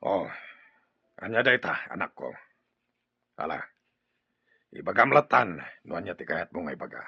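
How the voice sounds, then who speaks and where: An actor playing an aggressive, vengeful tribal chief in a radio drama. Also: male voice, low-pitched, very animated, moderate pace, vocal fry, husky, dry recording, lo-fi sound, exaggerated voice. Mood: gruff. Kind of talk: Ilocano radio drama acting.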